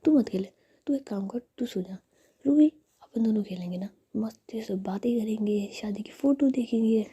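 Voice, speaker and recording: A woman's voice: medium pitch, moderate pace, warm tone, slightly rough. A woman voicing a mischievous young woman who loves pestering others, whispering playfully. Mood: teasing.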